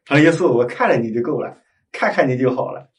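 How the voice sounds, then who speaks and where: A man preaching as a Catholic priest, telling a story with lively acted-out dialogue and frequent tag questions to his listeners. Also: mid-range voice, fast. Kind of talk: storytelling sermon. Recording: voice heard from a distance.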